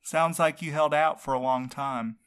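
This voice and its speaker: A man's voice: a little high, fairly even intonation, normal speed, a bit bright, clear, resonant tone, lightly acted. A man playing a sleep-deprived young courier, snarky and complaining, in a fiction podcast. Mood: questioning. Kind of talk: audio fiction podcast acting.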